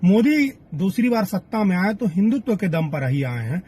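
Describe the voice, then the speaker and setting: High-pitched, husky male commentator. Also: very animated, moderate pace, dark tone. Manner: argumentative, poses rhetorical questions. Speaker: reporter and commentator. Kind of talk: spoken news commentary.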